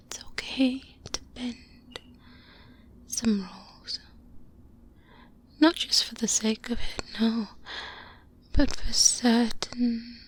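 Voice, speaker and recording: Speaking in a breathy, gentle whisper, a woman plays a calm and wary vampire-hunting mentor coaching her trainee in an ASMR roleplay. Her pitch sits somewhat high, and she comes across as earnest and comforting, moving slowly with hesitant, murmured pauses and hums. The close binaural recording picks up distinct background noise.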